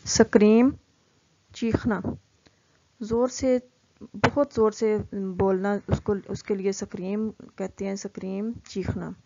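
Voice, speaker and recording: Slow, mellow-voiced woman teacher. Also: mid-range voice, steady tone, muffled recording. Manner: reads example sentences very slowly and deliberately. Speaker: English vocabulary teacher. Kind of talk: explaining vocabulary lesson.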